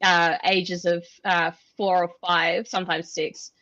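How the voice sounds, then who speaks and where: A young Australian woman, an engineer, explaining things in a relaxed, rambling way with many "um"s during an interview. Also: on the low side, no echo. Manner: relaxed, explanatory, frequent "um" pauses. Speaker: guest, industrial automation engineer. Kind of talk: casual interview answers. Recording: dull lo-fi dry audio.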